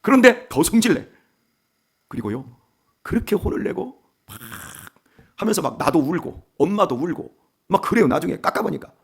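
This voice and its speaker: A man's voice: high voice, normal speed, long pauses, slightly rough. A man in his fifties giving an early-morning church sermon as pastor, talking conversationally and animatedly. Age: 50s. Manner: conversational and animated, acting out family quarrels. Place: church sanctuary.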